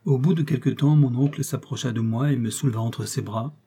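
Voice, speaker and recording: Dark, husky-voiced male narrator. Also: mid-range voice, brisk. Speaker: audiobook narrator. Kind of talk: scripted narration.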